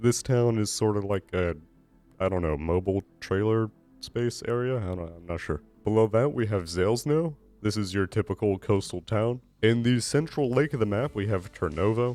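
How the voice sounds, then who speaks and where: Music plays in the background as a man with an American accent talks at a moderate pace with ordinary pitch variation. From Texas. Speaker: gaming YouTuber. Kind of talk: video game commentary. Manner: casual, hesitant over names.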